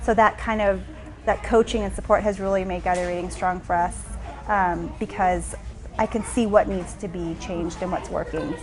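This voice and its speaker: A woman's voice: on the low side, steady tone, moderate pace, over music. A woman, a reading intervention teacher, answering interview questions in an earnest way with frequent fillers.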